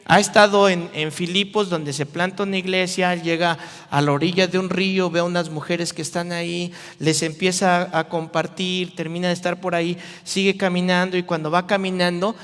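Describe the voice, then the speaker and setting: Male pastor, high voice, animated and jokey, with long reverb from a large hall. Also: moderate pace, clean tone. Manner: animated, jokey, playful asides to the crowd. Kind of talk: lively youth sermon with acted-out voices.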